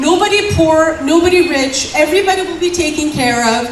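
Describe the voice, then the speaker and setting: Noticeable background noise and audible room echo surround a woman's voice. She speaks at a moderate pace with extremely high pitch and very wide pitch swings. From South Korea. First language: Korean. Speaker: political speaker. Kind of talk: political speech.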